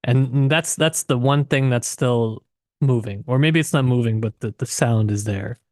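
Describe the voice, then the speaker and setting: A man's voice: medium pitch, moderate pace, darkish tone, no echo, studio quality. A man co-hosting a casual literary discussion, conversational and tentative as he thinks aloud. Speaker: podcast co-host.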